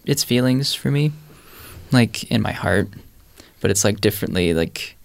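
A man's voice: fairly low pitch, animated, moderate pace, vocal fry, no room sound. A young man telling a personal faith story in an earnest, rambling way with many fillers. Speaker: panel guest. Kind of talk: casual faith discussion.

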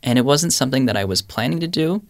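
A man's voice: medium pitch, animated, fast talker, dry recording, clean studio sound. A young man telling a personal faith story in an earnest, rambling way with many fillers. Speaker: panel guest. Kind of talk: casual faith discussion.

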